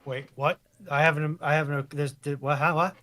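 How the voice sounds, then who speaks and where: A man from the United States co-hosting a live stream, casually explaining technical matters in a halting, deliberate way. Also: on the high side, fairly even intonation, pushed and bright.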